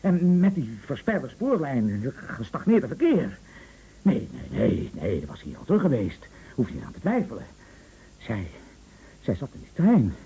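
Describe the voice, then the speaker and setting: Husky, anxious bedridden man, swinging wildly. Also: mid-range voice, huge pitch swings, measured pace, mellow, heavily acted. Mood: distraught. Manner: agitated, stammering, repeating words. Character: bedridden bookish man, anxious, dreading his woman's death. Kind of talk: Dutch radio play acting. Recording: muffled old radio play recording.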